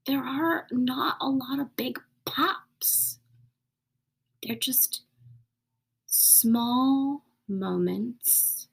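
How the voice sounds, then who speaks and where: A woman podcast host talking candidly in a casual, reflective monologue, sometimes dropping to a soft whisper and swearing casually. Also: medium pitch, gravelly.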